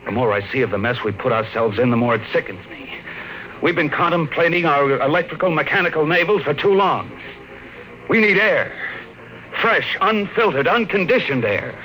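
A man's voice: fairly high pitch, animated, normal speed, sharp tone, roomy sound, poor audio. An American actor playing a troubled, stubborn father in a 1950s radio drama, earnest and dramatic. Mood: bitter, resolute. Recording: old radio broadcast with music behind.

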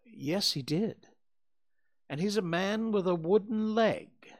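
A man doing a high, anxious young lady, breathless and pleading, for a storybook reading. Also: expressive, takes it slowly, full character voice. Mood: eager. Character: anxious earnest young woman, gentle.

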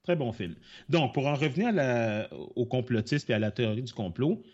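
A man's voice: mid-range voice, expressive, normal speed, a little mellow. A man co-hosting a podcast, explaining things in a rambling way with many fillers and self-corrections. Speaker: podcast co-host. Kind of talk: casual chat. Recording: dull lo-fi sound.

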